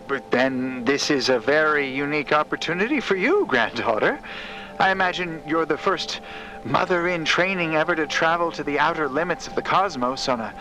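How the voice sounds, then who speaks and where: A man's voice: fairly high pitch, lively intonation, normal speed, pushed and bright, soft background music, low-quality recording. A man playing a nervous, eager, apologetic journalist in an audio drama, stammering and effusively polite. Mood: gentle, awkward. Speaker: actor in a fiction podcast. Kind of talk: naturalistic audio drama acting.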